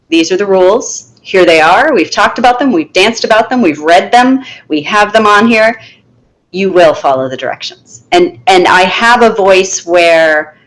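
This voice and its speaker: A middle-aged woman, a special needs teacher, talking in an interview in a firm, animated way and acting out what she says to her class. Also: mid-range voice, poor audio. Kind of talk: conversational interview.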